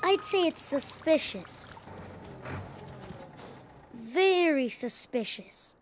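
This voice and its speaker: A woman's voice: high voice, lively intonation, very slow, soft background music, exaggerated voice. A woman voicing an earnest, suspicious, determined little boy in a cartoon, with an insistent manner. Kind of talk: cartoon voice acting.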